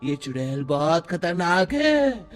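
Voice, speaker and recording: A performer voicing a grave male tantric holy man in an animated story, making slow ominous pronouncements over music. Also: medium pitch.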